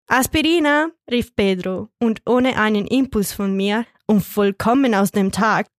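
A woman reading a first-person story aloud with a wry, expressive delivery. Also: medium pitch, no room sound, clean studio sound. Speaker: narrator.

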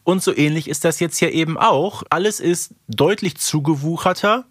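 A man's voice: a little high, moderate pace, fairly bright tone, no room sound, clean studio sound. A man co-hosting a podcast in casual discussion, thinking aloud and often checking for agreement. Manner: conversational, ponders aloud, seeks agreement. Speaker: podcast co-host.

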